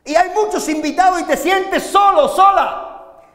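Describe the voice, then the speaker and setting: A Catholic preacher from the Republic, giving a lively sermon to young people full of rhetorical questions. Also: male voice, very high-pitched, unhurried. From Dominican Republic. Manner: animated, rhetorical questions, swings loud and soft. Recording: echoey hall, long reverb.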